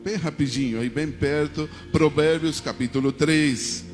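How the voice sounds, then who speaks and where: Speaking at a measured pace in a large hall, this Argentine pastor has a slightly high voice and preaches with his native Argentine Spanish accent. He guides the congregation through prayers and responses, frequently saying "amém," as faint music plays behind him.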